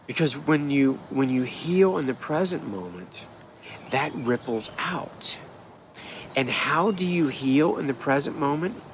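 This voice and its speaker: A man's voice: fairly high pitch, lively intonation, a little slow, noisy background. A middle-aged man with a stuffed-up, nasal voice, talking casually and animatedly to a camera at arm's length outdoors, rambling and restarting his sentences. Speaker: spiritual healer. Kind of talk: casual vlog monologue. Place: outdoors in a wooded yard. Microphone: phone or camera at arm's length.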